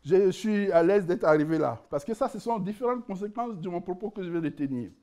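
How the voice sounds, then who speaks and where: A man giving a conference lecture, animated and joking, often repeating words as he searches for the right phrasing. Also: high-pitched, a little fast. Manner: animated, jokes, laughs at own asides. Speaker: conference speaker presenting his book.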